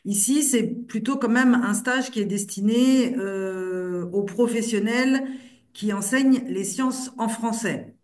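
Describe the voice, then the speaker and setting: A woman trainer explaining what a course covers, speaking haltingly with many fillers. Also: on the high side, darkish tone.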